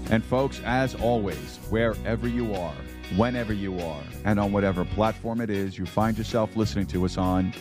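Hoarse deep-voiced preacher man. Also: moderate pace, hardly any pauses, over music. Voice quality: raspy. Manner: folksy, addresses listeners as folks, many fillers. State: hoarse, losing his voice. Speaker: podcast host and Bible teacher. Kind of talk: casual sermon-podcast talk.

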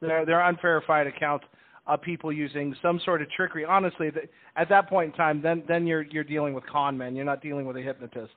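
A man with a somewhat high-pitched voice talks through a narrow, phone-like connection. He is a chatty interview guest who explains casually, repeating words and restarting as he goes. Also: steady tone, fast talker. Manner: talkative, explanatory, with repeated words and false starts. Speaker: stage hypnotist, interview guest. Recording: tinny phone-like line.

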